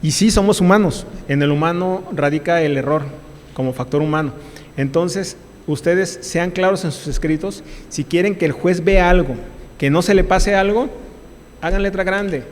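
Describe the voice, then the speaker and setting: A man's voice: high-pitched, normal speed, a little hiss or hum. Emphatic Mexican man lecturing in a hall. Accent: Mexican Spanish. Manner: emphatic, repetitive, with many restarts. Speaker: labor lawyer lecturing students. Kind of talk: university lecture.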